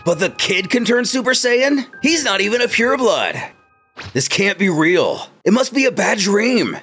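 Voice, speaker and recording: A man voicing an arrogant, proud alien prince in a story retelling, his voice shrill and indignant. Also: sing-song, a little slow, a bit bright, faint music behind, full character voice. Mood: furious.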